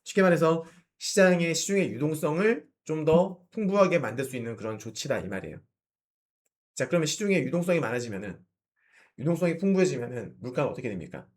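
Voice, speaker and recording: A middle-aged man with a cold and a slightly hoarse voice hosts an investment channel, explaining market news to viewers with rhetorical questions, fillers and frequent throat clearing. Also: fairly high pitch, expressive, quick pace.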